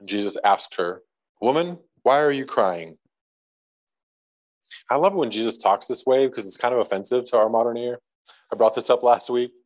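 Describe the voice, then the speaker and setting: A pastor with a mid-range, darkish voice talks fast, giving a casual, conversational sermon to his congregation. He reads scripture aloud and adds light jokes, and the recording is low quality.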